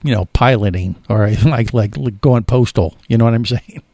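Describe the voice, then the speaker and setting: A man's voice: medium pitch, normal speed, mellow, dry recording. Middle-aged male co-host, rambling and filler-heavy, dry close sound. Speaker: podcast co-host. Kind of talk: casual chat.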